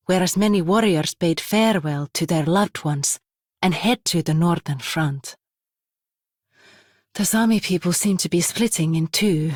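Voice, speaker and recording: An actress playing a solemn, compassionate tribal woman with a husky voice in a game monologue. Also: fairly low pitch, dry recording, studio quality. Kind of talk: scripted game character monologue.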